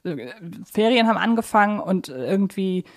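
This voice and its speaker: A woman's voice: medium pitch, animated, moderate pace. A woman, co-hosting a podcast and talking things through in a casual, reasoned, explanatory way. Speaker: podcast co-host. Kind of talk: casual fan discussion.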